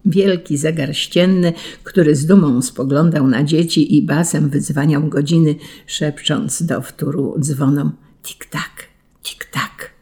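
A narrator reading an old children's story aloud in a gentle, expressive way. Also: mid-range voice, measured pace, few pauses, breathy edge.

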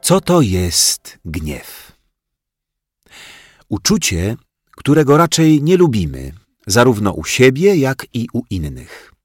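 A man reading a children's story aloud, slow and expressive, changing his voice for each character. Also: mid-range voice, breathy edge, faint music behind. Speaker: audiobook reader.

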